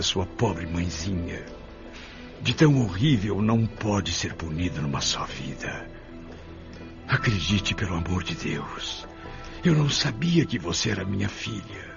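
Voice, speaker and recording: A male actor plays a grieving Brazilian father begging forgiveness in a radio drama. His trembling voice is low and gravelly. He speaks very slowly and solemnly, with music underneath a dull recording. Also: exaggerated voice. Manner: halting, pleading, solemn. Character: remorseful father pleading at dying daughter's bedside. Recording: dull lo-fi audio over music.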